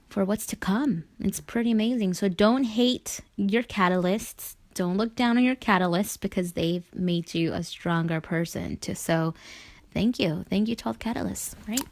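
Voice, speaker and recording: A woman hosting a casual interview show, talking in an affirming, encouraging way. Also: on the low side. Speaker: show host.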